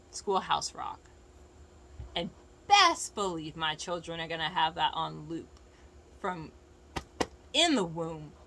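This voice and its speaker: Low creaky-voiced American woman with a lisp. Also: pushed and bright. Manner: rambling, frank, profane, digressive. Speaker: vlogger giving opinions. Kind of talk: casual opinionated rant to viewers.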